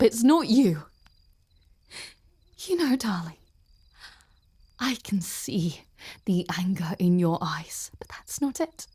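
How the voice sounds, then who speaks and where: Female performer as possessive ice queen general for intimate audio drama; medium-pitched, unhurried, intense, breathy and halting, cruel with a wounded edge. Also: darkish tone. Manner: halting, slow, intense, often dropping to a breathy whisper. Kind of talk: dramatic audio roleplay addressed to the listener.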